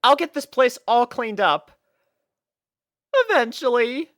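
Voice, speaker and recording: A woman voicing a kindly but fretful young adult mare pony, expressive and reassuring, in a story reading. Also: a little high, slow, no room sound, clean studio sound, voice pushed up, exaggerated voice.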